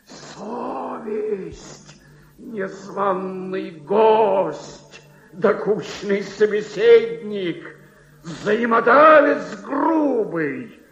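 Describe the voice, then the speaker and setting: Old miserly baron, radio drama, tormented and power-hungry, declamatory verse, wildly swinging intonation, dull archival sound. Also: male voice, high-pitched, creaky, echoey room, full character voice. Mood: tormented, indignant. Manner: declamatory, from hushed gloating to anguished cries. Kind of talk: theatrical dramatic monologue in verse, Russian radio play.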